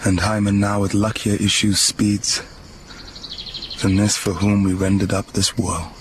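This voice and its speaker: An earnest young groom, played by a man in a stage comedy, solemn in manner. His voice sits fairly low, with a clear hiss underneath. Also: little pitch movement, unhurried, lightly acted.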